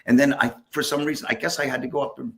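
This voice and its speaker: A man. His voice has a rough, gravelly grain, and he talks in rambling bursts with plenty of restarts and easy chuckles. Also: medium pitch, steady tone, racing, fairly bright tone. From United States, Levittown area. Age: 60s. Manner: rambling, friendly, many restarts, chuckles often. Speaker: podcast host. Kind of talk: casual chat.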